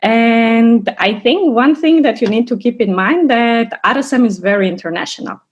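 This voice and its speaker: A woman's voice: on the high side, moderate pace, muffled recording. A woman in her thirties from Armenia, raised in Russia, presenting a course overview as an assistant professor over a video call, explaining carefully with frequent restarts. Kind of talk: online lecture presentation.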